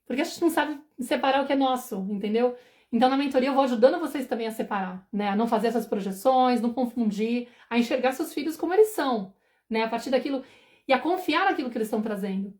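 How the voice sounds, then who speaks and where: Woman in her forties, parenting mentor on a live stream; rapid, slightly high voice, chatty, acts out worried inner voices. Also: darkish tone. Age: 40s. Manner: fast, conversational, often asks "entendeu?"; acts out anxious inner thoughts.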